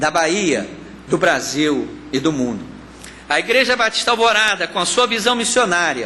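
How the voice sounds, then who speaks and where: Speaking at a moderate pace with long, frequent pauses, a man with a high pitch swings very widely in pitch over noticeable background noise. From Rio de Janeiro, Brazil. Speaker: pastor. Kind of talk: acceptance speech. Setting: city council ceremony. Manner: formal.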